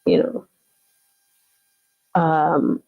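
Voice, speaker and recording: A woman's voice: extremely slow, dry recording, narrow, tinny audio. A woman from Jamaica, hosting a casual motivational live chat, encouraging her viewers and often repeating herself to check in with them. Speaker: live stream host.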